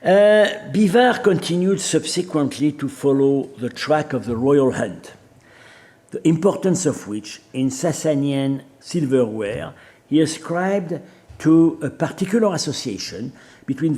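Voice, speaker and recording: A man with a French accent giving an academic seminar lecture, reading quotations and pausing often with fillers and restarts. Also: a little high, lively intonation, mellow. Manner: measured, hesitant with fillers and restarts.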